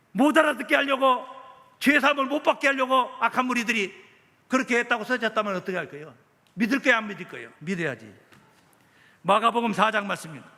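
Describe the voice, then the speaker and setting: A man's voice: very high voice, sharp tone. A man, preaching a sermon as pastor, emphatic and full of rhetorical questions. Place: church sanctuary. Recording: echoey church hall.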